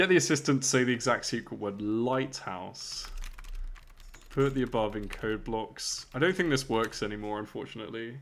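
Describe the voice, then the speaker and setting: This man speaks with lively intonation. His pace is moderate. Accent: British. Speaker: AI security streamer. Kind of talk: live gaming stream commentary. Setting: live stream.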